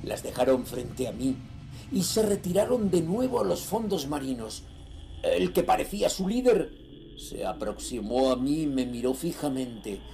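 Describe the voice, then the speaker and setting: An actor from playing a ruthless sea trader, narrating his grim confession slowly and gravely in a horror audio drama. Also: medium pitch. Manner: slow, grave, dramatic delivery.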